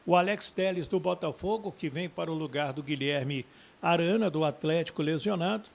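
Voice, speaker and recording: A man presents football news for an online audience. His voice sits on the high side and has a strong gravelly creak. He speaks to viewers directly, in a folksy, familiar way. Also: normal speed. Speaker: sports YouTube host.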